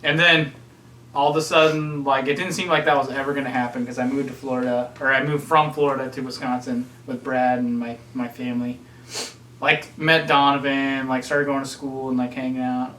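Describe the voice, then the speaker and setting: A man in his twenties co-hosts a laid-back podcast with friends, rambling along and dropping "like" constantly. His medium-pitched voice is flat, fairly quick, pushed and bright, picked up from a distance in a roomy space with slight background noise.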